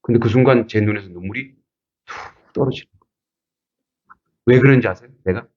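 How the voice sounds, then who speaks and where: A middle-aged man preaching as a pastor, telling a personal story with lively acted-out quotes and frequent laughter. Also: medium pitch, brisk, dull audio. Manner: animated, acts out quotes, laughs often. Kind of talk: sermon with storytelling.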